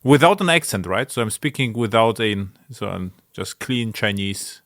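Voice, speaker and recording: A man hosting a casual interview podcast, speaking in a halting way with non-native English phrasing. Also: fairly low pitch, expressive, fairly bright tone, dry recording, clean studio sound. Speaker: podcast host.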